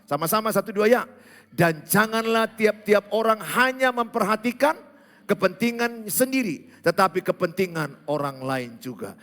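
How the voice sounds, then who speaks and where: A man preaching a sermon, jumping between loud, high exclamations and soft, low asides in short punchy phrases. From Indonesia. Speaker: pastor. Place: large church hall. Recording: reverberant church hall with faint music.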